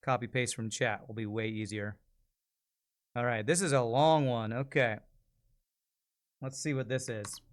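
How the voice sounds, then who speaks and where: A man's voice: medium pitch, steady tone, a little slow, pauses often. A man in his forties chatting casually on a livestream, thinking aloud as he reads and reacts. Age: 40s. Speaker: streamer and amateur voice actor.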